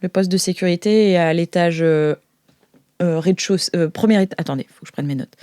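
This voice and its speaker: A woman's voice: fairly low pitch, brisk, dark tone, clear, resonant tone, no echo, studio quality. A woman running an improvised tabletop game as game master, narrating hesitantly as she makes things up.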